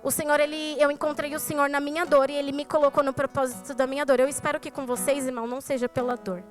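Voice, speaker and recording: High-voiced Brazilian woman preaching. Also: little pitch movement, fast talker, faint music behind. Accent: Brazilian Portuguese. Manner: storytelling, addresses the congregation directly. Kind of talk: sermon testimony. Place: church service.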